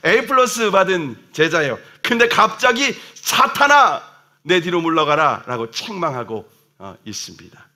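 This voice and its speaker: A man's voice: high-pitched, pushed and bright. A man, the senior pastor, preaching a sermon to his congregation, emphatic and asking questions, acting out dialogue. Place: church sanctuary.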